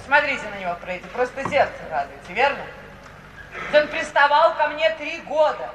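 A woman's voice: high voice, lively intonation, moderate pace. An actress playing a domineering, vulgar middle-aged mother in a radio play, with brusque familiarity. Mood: teasing. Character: loud, bossy, vulgar mother of about forty-five. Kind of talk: 1950s Soviet radio theatre acting. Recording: old noisy radio recording, distant and echoey.

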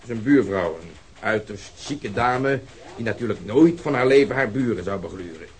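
An actor playing a sardonic police detective in a radio drama, sharply ironic and pointed. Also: male voice, lowish voice, expressive, moderate pace, slight background noise, lightly acted.

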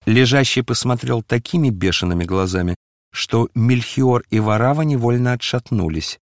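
A man narrating a novel in a measured, even storytelling voice. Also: mid-range voice, no echo, clean studio sound. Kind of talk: audiobook reading of a novel.

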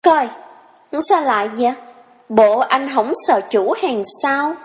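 Woman doing a pert young farm girl, sassy, a bit high, long reverb. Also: expressive, a little mellow. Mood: teasing. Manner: sassy, quick retorts.

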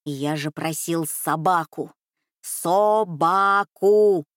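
A woman voicing an excitable, anxious young boy in a children's storybook reading, pleading and stammering. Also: medium pitch, slow, no room sound, clean studio sound. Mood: upset.

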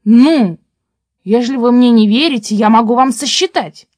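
A stubborn, exasperated peasant man from a storybook, as a woman reads him out. He scolds loudly and stresses every word. The sound is close and dry. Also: a little high, normal speed, no echo, natural voice. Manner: scolding, loud, emphatic.

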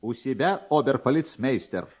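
A man voicing a frantic, self-important gentleman in a dramatised classic story, exclaiming and giving imperious orders. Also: mid-range voice, expressive, normal speed, breathy edge. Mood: agitated, commanding. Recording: dull, band-limited archive radio recording.

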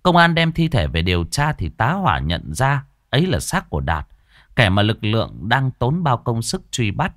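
A man narrating a horror story in a dramatic, expressive way. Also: mid-range voice, moderate pace, no echo, clean studio sound.

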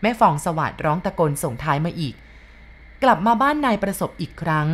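Woman reading a ghost story aloud, really lively pitch, very expressive. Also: brisk. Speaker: narrator. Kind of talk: storybook narration.

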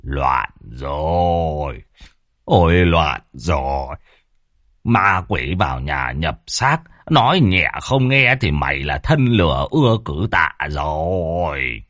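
A man voicing a stern old village exorcist who talks slowly and gruffly. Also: extremely low pitch, expressive, a bit bright, no echo, studio quality, voice pushed down, heavily acted. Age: older. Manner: slow, gruff, commanding.

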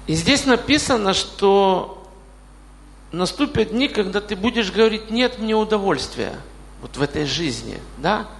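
High-voiced, gravelly man preaching. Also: lively intonation, measured pace, a bit bright. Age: 40s. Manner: questions the congregation directly. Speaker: pastor. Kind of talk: sermon. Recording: reverberant hall.

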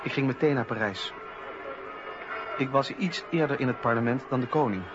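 An actor playing a principled eighteenth-century male philosopher-politician, speaking in measured, earnest, formal testimony for a radio docudrama. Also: mid-range voice, over music, close to an everyday voice. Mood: sober recollection. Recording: dull, noisy old radio recording.

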